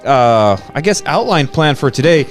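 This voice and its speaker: A man's voice: on the high side, big pitch swings, normal speed. Man, thirties, podcast co-host, rambling, fillers, faint music behind. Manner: rambling, lots of fillers and restarts. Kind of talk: casual podcast chat.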